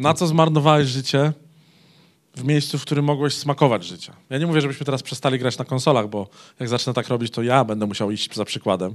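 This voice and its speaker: A medium-pitched male voice at a very fast pace, with ordinary pitch variation, on a very clean recording against a silent background. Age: 30s. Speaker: pastor. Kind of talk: sermon. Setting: church.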